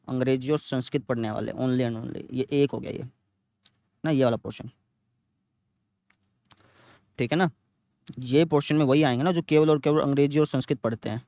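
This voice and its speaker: A man's voice: mid-range voice, moderate pace, pauses often, warm tone, no room sound, dull audio. A young man teaching a math lesson, repeating each step and answering his own questions, with a north Indian Hindi accent. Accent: Hindi-speaking north India. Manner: repetitive, explains step by step, asks questions and answers himself.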